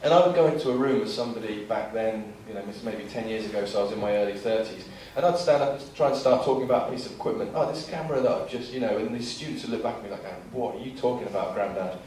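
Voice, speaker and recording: A man's voice: lowish voice, racing, hardly any pauses, distant mic, a little hiss or hum. A man in his forties, a filmmaker on a seminar panel, telling stories and acting out other people's lines. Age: 40s. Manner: lively storyteller who acts out other people's lines. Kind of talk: anecdotal seminar talk. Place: seminar hall. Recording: very echoey hall, voice from afar.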